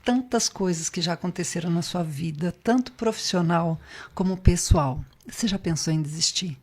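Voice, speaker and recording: A woman's voice: on the low side, moderate pace. A woman with a Brazilian Portuguese accent who hosts a podcast, affirming her guest often and asking questions. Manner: warmly affirming, agrees often. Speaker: podcast host. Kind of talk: casual interview chat.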